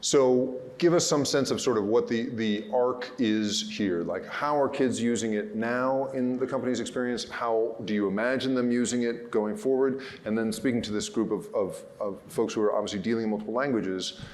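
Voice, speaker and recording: A man's voice: medium pitch, normal speed, few pauses, darkish tone. A man moderating a conference panel as a journalist, asking long questions that he restarts as he goes. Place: conference stage.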